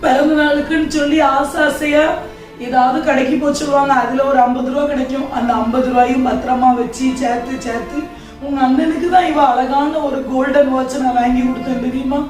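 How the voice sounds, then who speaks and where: A woman plays a young wife tormented by her in-laws, pouring out her hurt in a high, emotional voice. It was recorded in a very echoey room from some distance, with soft music behind. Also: steady tone, a little fast, natural voice. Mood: tearful. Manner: emotional and pleading, bursts of anger. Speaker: actor in a church family skit. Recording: echoey room, far mic, faint music.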